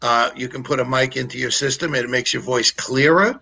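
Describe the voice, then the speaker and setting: A man who trains public speakers, giving practical advice in a relaxed, joking way over a video call with a lapel mic. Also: medium pitch, a little fast, creaky. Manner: practical, explanatory, jokes easily. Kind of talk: casual coaching advice on a livestream.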